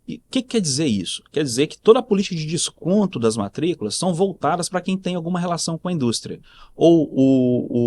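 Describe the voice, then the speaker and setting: Brazilian guy, mid-pitched, slight mixed regional accent, explaining stuff in an interview, keeps tagging sentences for agreement. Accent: Brazilian, faint mixed regional. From southern Brazil. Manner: explanatory, frequently seeks agreement with short tags. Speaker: school director, interview guest.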